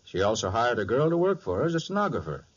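An actor playing a confident, sharp private detective in a 1940s radio crime drama, explaining things in an assured, emphatic way. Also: male voice, medium pitch, big pitch swings, fast talker, husky. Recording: dull lo-fi 1940s radio recording.

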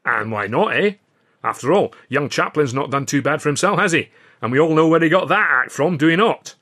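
A man's voice: a little high, lively intonation, sharp tone, voice pushed up. A man doing a boastful wiry Scotsman. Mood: chummy boasting. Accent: Scottish. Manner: chummy, boastful, quick banter. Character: wiry, bouncy, boastful Scottish comic man. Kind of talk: audiobook character voice.

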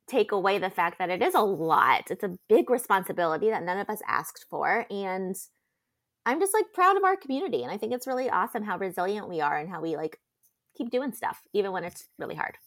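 A woman's voice: mid-range voice, expressive, brisk. A woman co-hosting a podcast in casual chat, earnest and encouraging, with many filler likes. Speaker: podcast co-host.

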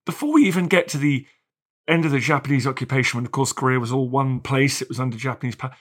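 A man's voice: medium pitch, expressive, quick pace, fairly bright tone. A man hosting an interview podcast, asking questions in a jokey, conversational way. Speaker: podcast host.

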